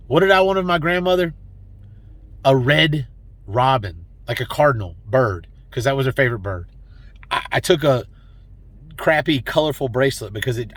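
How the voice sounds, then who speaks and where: A man's voice: medium pitch, fairly bright tone. A man vlogging, rambling and heartfelt, emotional and holding back tears, with many fillers. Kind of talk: personal talk to camera.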